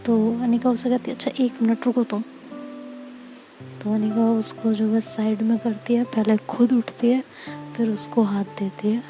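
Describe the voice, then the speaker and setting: A woman's voice: on the high side, little pitch movement, moderate pace, dark tone. Chatty woman storyteller over guitar music. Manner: chatty, with fillers and asides. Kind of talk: casual storytelling narration. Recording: music bed.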